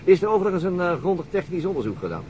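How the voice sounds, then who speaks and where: A calm, reserved city detective. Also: male voice, high voice, rapid-fire, slight background noise, rough recording. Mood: thoughtful. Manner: reserved, brief replies, thoughtful. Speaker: visiting police detective. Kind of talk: radio drama acting.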